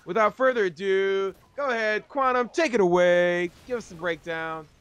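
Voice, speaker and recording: A man's voice: sits high, normal speed, a bit bright, clean tone. Chatty, slangy man hosting a gaming video. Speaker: host of a gaming video series. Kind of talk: casual interview over game commentary.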